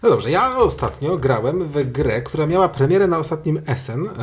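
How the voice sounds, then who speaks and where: In an ordinary speaking voice, a man talks at a fairly high pitch with lively intonation. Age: 30s. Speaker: board game podcaster. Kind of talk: casual chat.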